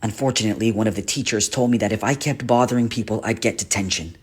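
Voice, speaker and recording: A man playing a gentle guardian teacher haunted by his past in a dramatic monologue, with a husky, earnest, confiding delivery. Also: fairly low pitch, fast talker. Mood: somber, recounting. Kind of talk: dramatic character monologue for a voice reel.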